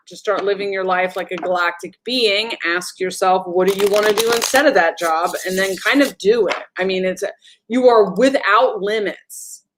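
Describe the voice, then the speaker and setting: A woman chats through a spiritual energy update on a livestream. She talks bluntly and rambles, swearing freely as she answers her viewers. Her voice sits at an ordinary middle pitch. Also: a little hiss or hum. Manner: reads viewer comments aloud. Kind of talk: casual livestream chat.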